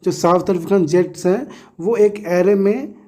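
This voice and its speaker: A man with a high, warm voice teaches a textbook lesson at an unhurried pace. He explains word meanings using everyday examples, often checks in with a tag question, and corrects himself.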